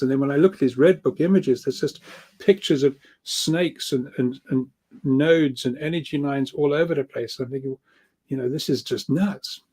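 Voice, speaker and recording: A man's voice: mid-range voice, warm tone. A man explaining ideas informally as a guest speaker, rambling along and often repeating his words as he goes. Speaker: guest speaker, researcher of earth energies.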